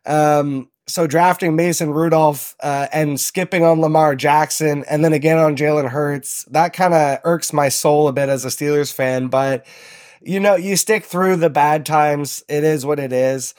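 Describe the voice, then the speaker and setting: Guy on a podcast, slightly high voice, laid back, lots of ums. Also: measured pace, clean tone. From Southern Ontario, Canada. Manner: relaxed storyteller with frequent ums and uhs. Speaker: podcast guest. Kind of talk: casual interview chat.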